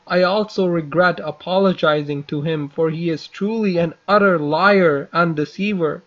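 A man's voice: on the high side, moderate pace. A young man hosting an unscripted commentary video, speaking in an accusatory, formal way with hesitant fillers. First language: not Persian. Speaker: channel host. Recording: dull lo-fi audio.

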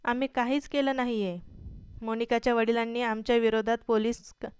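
A woman's voice: a little high, fairly even intonation, moderate pace, a little mellow, smooth, dry recording, clean studio sound, close to an everyday voice. A woman voicing a frightened young man who pleads through tears in a storybook reading. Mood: pleading, tearful. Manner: pleading, crying.

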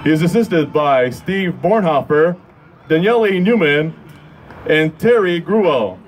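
A young man in his 20s serves as a stadium public address announcer, reading scripted intros into a handheld mic held close. His high-pitched, expressive voice stays formal and measured, drawing out names, while outdoor crowd and ambient noise sit behind him.

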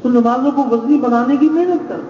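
A man preaching a sermon, measured and exhorting, repeating key phrases. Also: very high-pitched. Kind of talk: religious sermon. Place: large gathering space. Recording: echoey, distant, dull lo-fi with faint noise.

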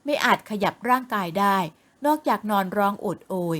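A woman narrating an audio novel with lively, expressive storytelling. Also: mid-range voice, normal speed.

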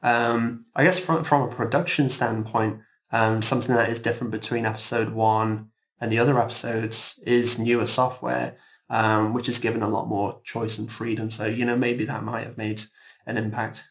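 A man chatting casually as an interview guest, halting and modest as he thinks aloud. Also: medium pitch, flat delivery. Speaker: composer guest.

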